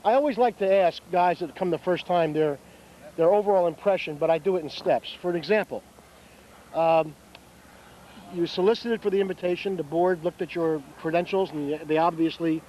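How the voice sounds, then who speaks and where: A man interviewing outdoors at a model airplane competition, putting his questions haltingly and step by step. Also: a little high. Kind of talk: on-site field interview. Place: outdoors at a flying field. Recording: muffled, noisy outdoor field recording.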